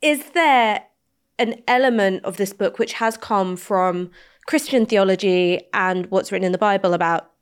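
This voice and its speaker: Woman interview host, mid pitch, direct and wry. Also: normal speed, clear, resonant tone. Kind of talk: conversational interview.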